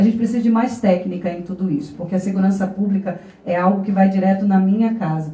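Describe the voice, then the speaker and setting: With audible room echo and noticeable background noise, the speaker moves at a fairly quick pace using fairly even intonation. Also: woman. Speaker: city council candidate. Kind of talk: interview. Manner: fast.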